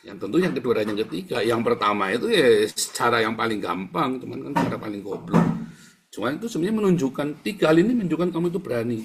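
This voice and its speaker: A man's voice: medium pitch, expressive, fast talker, slight background noise. A man preaching a fiery sermon, addressing listeners directly and bluntly. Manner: forceful preaching, keeps addressing listeners as brothers. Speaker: pastor.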